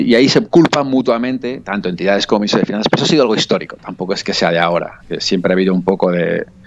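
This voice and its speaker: A very fast man's voice with a Spanish accent, fairly low in pitch, hardly any pauses, and noticeable background noise. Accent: Spanish (Spain). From Spain. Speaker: researcher. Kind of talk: radio interview. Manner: halting, many false starts. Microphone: difficult connection.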